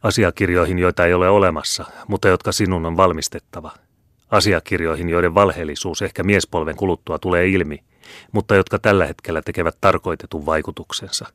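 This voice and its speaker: A man's voice: low-pitched, steady tone, a bit bright, no room sound, clean studio sound. A man voicing a haughty, domineering older Jesuit superior who speaks in a scornful, commanding way in a storybook reading. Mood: thundering.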